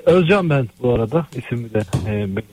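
A man's voice: medium pitch, animated, fast, darkish tone, slight background noise. A man calling in to a radio show over a landline phone, talking earnestly with many hesitant fillers. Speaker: radio call-in listener.

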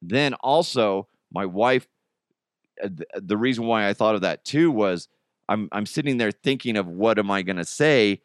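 A man's voice: fairly low pitch, expressive, moderate pace, no echo, clean studio sound. A man hosting a podcast in casual, rambling talk, his voice a little strained. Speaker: podcast and radio host.

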